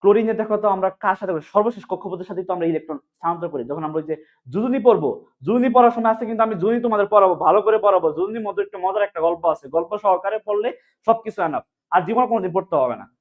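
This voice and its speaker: A man teaching chemistry in an online exam-prep class, drilling students with quick repeated questions. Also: sits high. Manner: fast, repetitive question-and-answer drilling. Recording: phone-like narrow sound.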